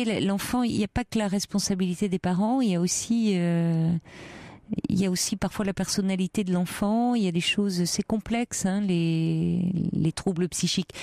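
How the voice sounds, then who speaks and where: French lady doing late-night radio advice, low-ish mellow voice, dry close sound, calm and reassuring. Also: no echo. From France. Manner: calm, reassuring, frequent "euh" hesitations. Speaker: radio call-in host, advice.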